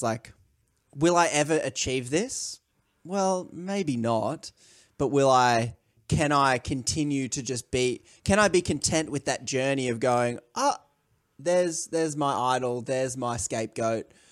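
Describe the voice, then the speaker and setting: Someone with an Australian accent speaks at a fairly slow pace with ordinary pitch variation, recorded very cleanly against a silent background. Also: man. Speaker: podcast host. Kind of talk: casual chat.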